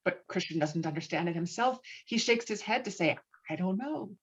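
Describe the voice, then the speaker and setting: A woman's voice: on the low side, animated, normal speed, slightly rough, muffled recording. A woman reading stage directions as scripted narration for a virtual table read, recorded over an online call. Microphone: online call microphone.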